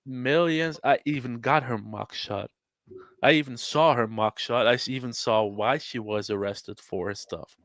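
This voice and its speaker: Man, halting delivery, close dry sound. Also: mid-range voice, fairly bright tone, no room sound. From Belgium. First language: Dutch. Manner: halting, repeats and restarts words. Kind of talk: casual podcast chat.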